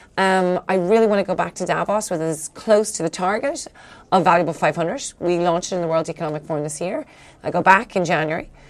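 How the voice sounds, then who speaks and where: A woman's fairly low voice at a very fast pace, with an Irish accent. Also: ordinary pitch variation. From Ireland. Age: 40s. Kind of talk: interview.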